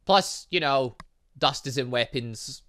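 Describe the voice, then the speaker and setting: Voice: mid-range voice, slow pace, fairly bright tone. A gaming video host giving rambling, off-the-cuff let's play commentary, often repeating phrases. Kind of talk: let's play commentary, reading visual novel dialogue aloud.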